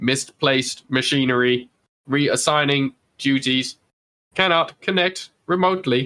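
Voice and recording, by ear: In a robotic, put-on character voice, a man speaks fairly slowly with a fairly high pitch.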